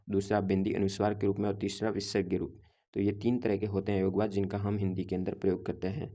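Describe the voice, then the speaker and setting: A man teaching a grammar lesson, explaining steadily and reciting letters one by one. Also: lowish voice.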